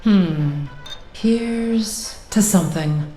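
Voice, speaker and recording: An actress playing a fond old friend in an audio drama, speaking with dry, teasing humor. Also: female voice, mid-range voice, very slow, warm tone, echoey room, soft background music. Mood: fond, amused.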